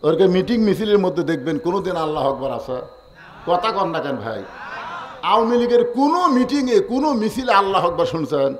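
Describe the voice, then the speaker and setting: A man preaches a waz sermon, and his voice sits high and leaps wildly in pitch. He drops low to tell stories, then bursts into loud, shouted exhortation, calling on the crowd to answer him. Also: sing-song, brisk. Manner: asks the crowd to answer back.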